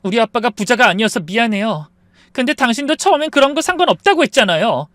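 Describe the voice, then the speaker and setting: Man doing a young wife voice, high and lively, hurt and fed up, dry sound. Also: brisk, no room sound. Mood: indignant. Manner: pleading, indignant.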